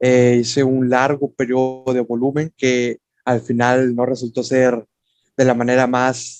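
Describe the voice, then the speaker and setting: The sound is dry and close with no echo as a man speaks at a fairly slow pace in a medium pitch. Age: 20s. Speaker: bodybuilding athlete. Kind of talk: casual chat.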